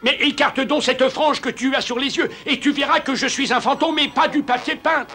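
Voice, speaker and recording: An actor voicing a grumpy, theatrical old ghost who grumbles indignantly in a French cartoon dub. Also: male voice, extremely high pitch, steady tone, moderate pace, over music. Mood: exasperated. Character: grumpy, fussy old ghost who loves scaring old ladies.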